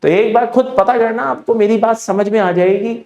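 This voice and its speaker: A man's voice: high voice, normal speed, vocal fry, a little mellow, roomy sound, lo-fi sound. A man with an Indian accent teaching chemistry for exam preparation, explaining emphatically, repeating his points and checking in with students. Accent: Indian English. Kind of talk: exam-prep lecture.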